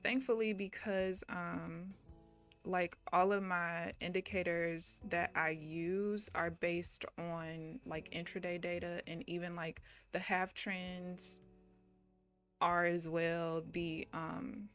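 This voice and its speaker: This young day-trading livestreamer from Missouri chats with her audience and laughs frequently as she trades. She speaks slowly in a level tone, her fairly low voice smooth and a bit bright, with faint music behind.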